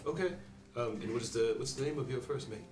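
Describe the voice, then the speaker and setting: A man's voice: medium pitch, quick pace, loud music behind the voice, lightly acted. A man voicing a fussy, anxious male gnome jeweler who stammers his thanks, recorded in an echoey room away from the mic. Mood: delighted. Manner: flustered, stammering.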